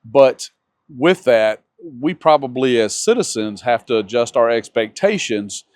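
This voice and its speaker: A man's voice: mid-range voice, animated, unhurried, no room sound, clean studio sound. A man who owns a local business, chatting casually with a big voice and frequent restarts. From North Augusta, South Carolina. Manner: loud, hesitant with restarts, enthusiastic. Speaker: local business owner guest. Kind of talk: casual interview chat.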